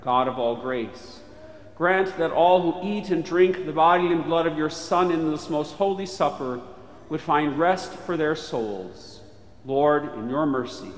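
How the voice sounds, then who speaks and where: Guy leading a formal prayer, solemn and measured, voice a bit high, long church reverb. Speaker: prayer leader at chapel. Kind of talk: formal spoken liturgical prayer. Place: large chapel. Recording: echoey chapel with long reverb.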